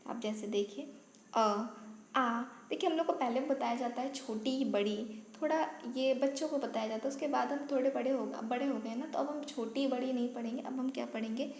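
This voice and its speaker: A woman's voice: high voice, normal speed, a little mellow. Hindi grammar teacher woman, echoey room. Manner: explains step by step with frequent checks like "ठीक है"; apologizes for her own imperfect pronunciation. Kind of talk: online exam-prep lesson. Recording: echoey room with faint ambient noise.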